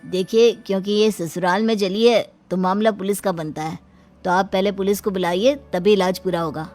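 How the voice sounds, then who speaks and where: A woman voicing a stern male doctor who speaks in a measured way. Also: mid-range voice, fairly even intonation, darkish tone, soft background music, natural voice. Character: stern official doctor, man.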